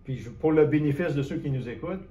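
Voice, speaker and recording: A man's voice: on the high side, fast, mellow, highs cut off. Quebec French man hosting in an echoey room. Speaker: host, renovation contractor interviewing a guest. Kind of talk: conversational video interview. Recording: roomy echo, noticeable background noise.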